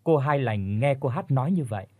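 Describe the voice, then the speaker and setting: A man narrating an audio story in an even, measured reading. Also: mid-range voice, no room sound.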